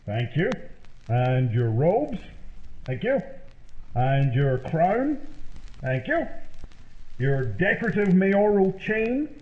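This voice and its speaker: Through a tinny, roomy old radio sound comes a man acting a cheerful, dim party host. His high voice swoops about as he hesitates cluelessly through old-time comedy lines. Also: big pitch swings, takes it slowly, pauses often. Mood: fawning, flustered.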